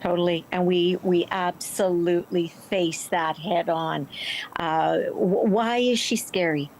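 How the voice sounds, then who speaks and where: A middle-aged woman, an actor, answering interview questions in an expressive, emphatic conversational way. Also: fairly low pitch, slow pace, a little hiss or hum, poor audio. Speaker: stage and film actor, interview guest.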